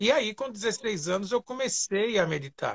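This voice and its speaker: Dry, close sound with no echo carries the lively intonation. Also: man. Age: 60s. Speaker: holistic therapist. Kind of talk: live stream interview. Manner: halting.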